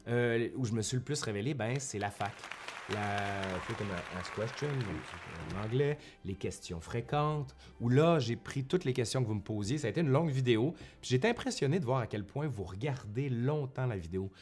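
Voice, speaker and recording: A man from Quebec, Canada, with a Québécois French accent, speaks at normal speed in an expressive, medium-pitched, somewhat dark voice. A history YouTuber and university professor, he chats casually to viewers from home in front of a bookshelf, often correcting himself and dropping colloquial asides, like a professor turned vlogger. Soft music and some chatter sit in the background.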